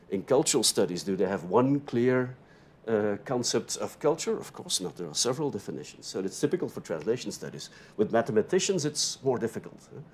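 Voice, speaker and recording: A low-pitched man with a Dutch accent, speaking English as a second language in a university lecture. He works through his points by thinking aloud, turning to the room with little "no?" and "huh?" tags. His loudness rises and falls sharply from one phrase to the next. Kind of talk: opening lecture to graduate students.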